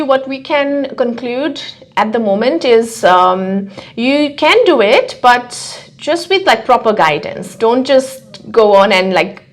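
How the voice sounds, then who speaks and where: A woman working as a language test coach, talking casually in a question-and-answer discussion. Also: fairly high pitch.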